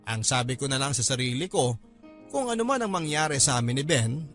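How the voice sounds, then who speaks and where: Male story narrator over soft music. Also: mid-range voice, sing-song, a little fast. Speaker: drama narrator reading a letter. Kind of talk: scripted first-person story narration.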